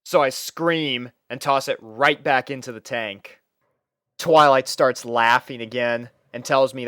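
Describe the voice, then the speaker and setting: Clear-voiced man narrating fan fiction, dry recording. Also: mid-range voice, fairly bright tone, dry recording. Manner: conversational first-person storytelling with acted dialogue lines. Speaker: narrator and reader playing the first-person lead.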